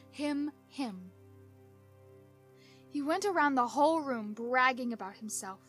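A woman plays a sentimental cartoon pony wife with a fairly high voice. She confides dramatically, as in a fan audio drama, exasperated yet adoring, with music playing behind her. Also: fairly bright tone.

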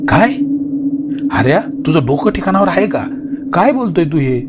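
A man doing a gruff, blustering village father. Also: a little high, moderate pace, pitched above the performer's own voice, natural voice. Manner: blustering, scolding. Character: gruff village father, middle-aged, stubborn. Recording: loud hiss with crickets.

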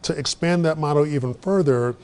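A middle-aged man leading a workshop in a meeting room, telling stories in a lively, conversational way. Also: fairly high pitch, brisk, clear, resonant tone. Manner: animated storyteller, gestures widely. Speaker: workshop presenter. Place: meeting room with projector screen.

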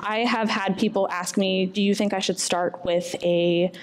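A woman's voice: mid-range voice, fairly even intonation, a little slow, slight background noise, low-quality recording. A young adult woman presenting informally at a convention panel, speaking in a conversational, encouraging way into a table microphone. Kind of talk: informal slide presentation to a room. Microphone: table microphone on a stand.

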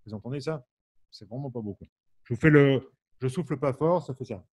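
His mid-range voice is a little mellow and moves at normal speed. The man, from Champagne in France, teaches harmonica in a live online session, asking viewers questions, naming them as he reads their answers, and using many fillers.

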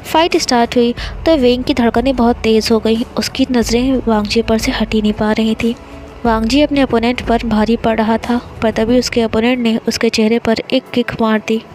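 A woman's voice: a little high, steady tone, moderate pace, darkish tone, soft background music, low-quality recording. A woman narrating a romance fanfiction, giving each character a slightly lifted voice for their lines. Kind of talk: storytelling narration.

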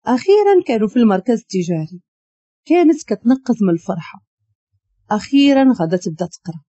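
A woman with a Moroccan accent narrates a story in a lively voice that rises and falls. Her tone is mellow and husky, a little high-pitched. The recording is dry and slightly dull. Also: fast talker, dry recording.

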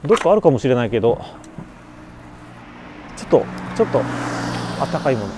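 On a bike trip, a cycling livestreamer stops by a roadside vending machine on a mountain road and chats casually, reacting to viewer comments. His medium-pitched voice swings widely and moves fairly quickly. An action camera and webcam pick him up along with background noise.

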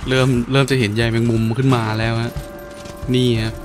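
A man's voice: mid-range voice, level tone, fairly quick. Man giving casual gameplay commentary over music. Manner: joking, exclaiming, talks to himself. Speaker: gaming video host. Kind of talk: casual let's play commentary. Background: game music and effects.

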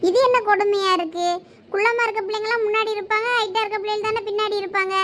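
A woman's voice: very high voice, steady tone, fast, very noisy. A woman playing a protective young male college student in a comic sketch, with a bossy, confrontational way of talking. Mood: indignant.

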